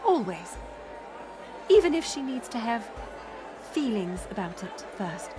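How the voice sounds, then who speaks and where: A woman's voice, on the high side and very animated, unhurriedly portrays a proud, weary middle-aged queen mother who is formal and commanding but in a placating, apologetic mood. The dramatic audio roleplay has music and banquet crowd murmur in the background.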